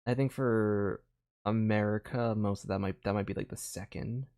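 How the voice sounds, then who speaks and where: A man's voice: on the low side, fairly even intonation, moderate pace, a little mellow. A man streamer chatting casually and thinking aloud during a live reaction stream.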